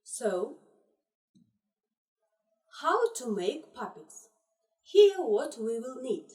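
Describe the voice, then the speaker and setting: A woman teaching a children's English lesson, slowly repeating each word in three languages. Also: a little high, big pitch swings, darkish tone. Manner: slow, deliberate, repeats words in three languages. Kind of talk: trilingual video lesson for children. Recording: echoey room, voice distant from mic.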